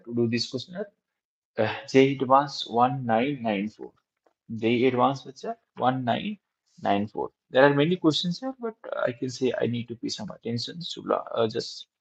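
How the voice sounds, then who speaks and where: A man with a South Asian accent teaching a live physics lesson in a halting, repetitive way, often checking with his students. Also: mid-range voice, gravelly. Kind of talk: live exam-prep lesson, working through problems. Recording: dull lo-fi recording.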